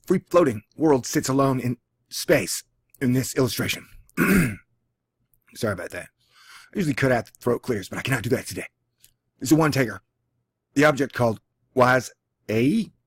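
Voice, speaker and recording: The sound is dry and close, with no room sound, as a Texas-born vlog host with a Texan accent and medium-pitched voice reads a science article aloud. It's a casual single take full of jokey asides at his own expense, recorded lo-fi at home.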